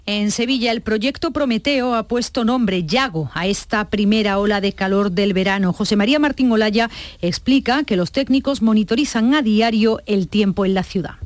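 A woman with an Andalusian accent reading the radio news in a steady, measured way. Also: mid-range voice, dry recording. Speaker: news anchor. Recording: dry studio sound.

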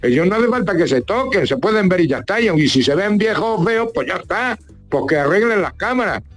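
A man's voice: sits high, animated, fairly quick, soft background music. A man grumbling comically in colloquial, rambling chat full of rhetorical questions. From La Mancha, Spain. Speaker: regular radio contributor nicknamed as a judge.

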